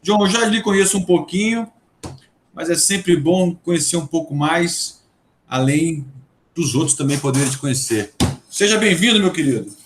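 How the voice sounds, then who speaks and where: Guy hosting a live video chat, higher voice, kinda echoey room, slow friendly intros. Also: animated, a little hiss or hum. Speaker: host, live-stream mediator. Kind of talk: casual online panel chat.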